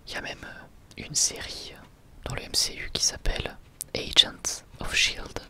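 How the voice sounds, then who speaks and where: Speaking in a hushed library whisper from start to finish, this ASMR host talks about books in a relaxed, leisurely way. Thoughtful little digressions pop up along the way.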